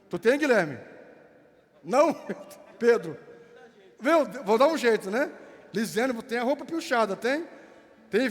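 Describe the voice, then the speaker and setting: A man from southern Brazil with a gaúcho accent, a pastor leading prayer and giving notices in church. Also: very high-pitched. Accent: gaúcho Brazilian Portuguese. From Rio Grande do Sul, Brazil. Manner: fervent, drawn-out prayer lines, playful banter. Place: church sanctuary with worship music. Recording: reverberant hall with music behind.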